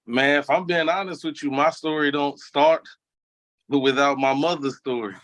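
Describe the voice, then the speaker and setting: A man's voice: on the high side, fairly even intonation, normal speed, a bit bright, no room sound. A man from Memphis, a guest in a casual interview who speaks frankly and reflectively. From Memphis, Tennessee.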